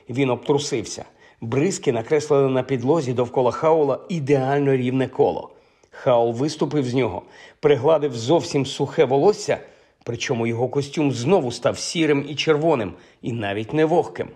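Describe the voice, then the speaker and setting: Man narrating a storybook, measured and even. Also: medium pitch, breathy edge. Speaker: audiobook narrator.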